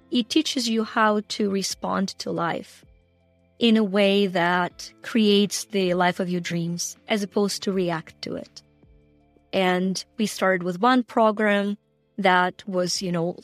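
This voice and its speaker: A woman guest on a podcast talking about her coaching work in an earnest, animated way, often laughing as she speaks. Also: mid-range voice, no room sound. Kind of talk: conversational interview.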